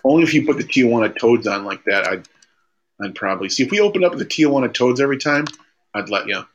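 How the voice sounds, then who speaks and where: A man's voice: medium pitch, animated, fast talker, muffled recording, slight background noise. A man chatting casually as co-host of a comedy podcast.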